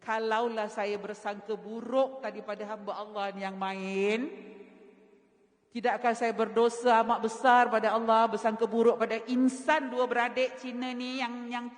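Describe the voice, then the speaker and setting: A woman religious teacher, giving a women's lecture in a mosque and telling stories with lively sound mimicry. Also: on the high side, normal speed. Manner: animated storytelling, mimics sounds. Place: mosque hall. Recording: reverberant mosque hall.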